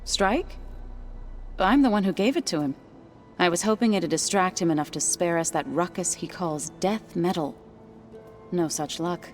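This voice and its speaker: A woman acts out a proud tribal woman from a video game. Her voice sits fairly low, measured and formal, firm and protective with a dry edge. Soft music runs behind her. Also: natural voice. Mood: wry. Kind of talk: video game cutscene acting.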